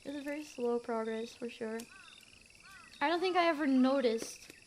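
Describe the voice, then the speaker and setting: At a normal speed and in a high voice, a young woman streamer chats with her viewers and reads their messages, giggling and filling her rambling with fillers. She isn't a native English speaker, and there's slight background noise.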